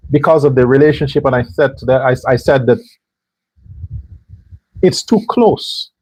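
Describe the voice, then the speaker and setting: A man's voice: fairly high pitch, darkish tone, husky, no echo, rough recording. A man hosting a political commentary show, delivering an emphatic monologue straight to his viewers. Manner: emphatic, talks straight to viewers, mock voices for others.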